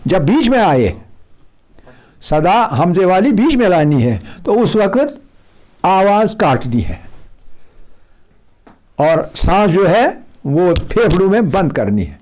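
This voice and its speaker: A man's voice: high-pitched, big pitch swings, pauses often, a little mellow. A man teaching Quran pronunciation, patiently repeating example words and drilling his students.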